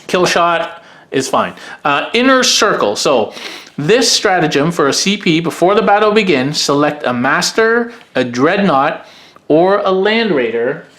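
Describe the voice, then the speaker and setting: A man's voice: fairly high pitch, big pitch swings, unhurried, fairly bright tone. A man hosting a tabletop gaming channel, reading through rules in casual commentary and frankly giving his opinions as he thinks aloud. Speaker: host of a tabletop wargaming channel.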